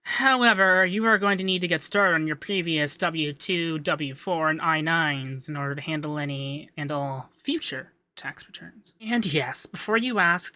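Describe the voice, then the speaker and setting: Man acting a bright-voiced, coy, effeminate young accountant. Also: fairly high pitch, no echo. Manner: coy, teasing, lilting, hesitant in places. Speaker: ASMR voice actor. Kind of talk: ASMR roleplay.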